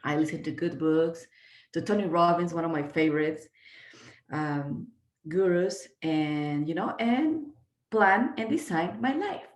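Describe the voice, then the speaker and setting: A woman in her fifties from Peru, speaking natively, who gives an earnest, halting motivational talk on a video call, full of fillers and restarts. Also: on the low side, echoey room. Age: 50s. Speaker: guest trainer.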